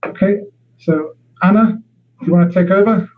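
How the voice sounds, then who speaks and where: A man with a fairly high voice delivers an online seminar presentation. He speaks in a measured way with frequent uh fillers. The sound comes through thin and phone-like. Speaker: guest speaker. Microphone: video call. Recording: tinny phone-like audio.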